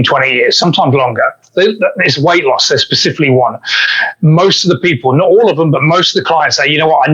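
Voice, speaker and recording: A man's voice: a little high, a bit bright. Guy, fitness coach, chatty storyteller, kinda muffled sound. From England. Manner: chatty, self-correcting storyteller. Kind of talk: casual podcast storytelling.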